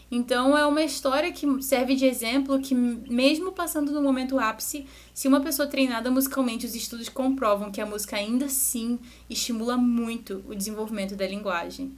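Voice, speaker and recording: A young woman with a slightly high voice talks parents through a lesson. She is a music teacher, and her delivery is loose and conversational, full of little asides and restarted sentences. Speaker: music teacher and channel host. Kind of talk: educational talk to parents.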